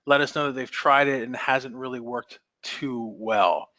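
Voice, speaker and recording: A man's voice: medium pitch, unhurried, sharp tone, no room sound, studio quality. A man moderating a webinar, giving upbeat announcements full of fillers. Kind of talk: webinar hosting.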